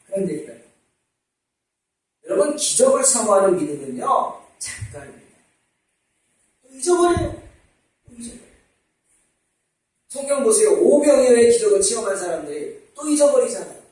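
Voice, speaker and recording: A man's voice: very high voice, sing-song, normal speed, long pauses, darkish tone. A man preaching a sermon as pastor, with impassioned delivery that calls out to the congregation. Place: church sanctuary. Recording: echoey church hall, mic far off.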